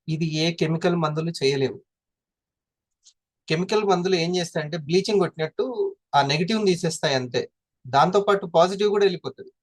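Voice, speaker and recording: A presenter explains health products in a classroom style, constantly putting questions to his listeners. His voice is slightly high, with no echo.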